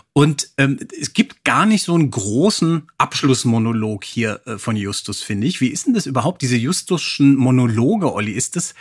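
A man with a husky voice, casually hosting a podcast conversation. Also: mid-range voice. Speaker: podcast host.

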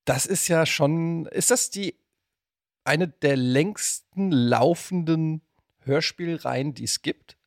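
A middle-aged man hosting a casual interview podcast, joking and phrasing things haltingly. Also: on the high side, no room sound, clean studio sound. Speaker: podcast host. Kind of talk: casual chat, interviewing a guest.

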